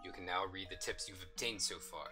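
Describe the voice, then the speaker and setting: A young man with a hoarse voice, casually chatting and reading on-screen text aloud while streaming a game, thinking aloud with lots of fillers. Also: low-pitched, fairly even intonation, fairly quick, over music. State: hoarse, coughing. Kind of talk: casual let's-play commentary.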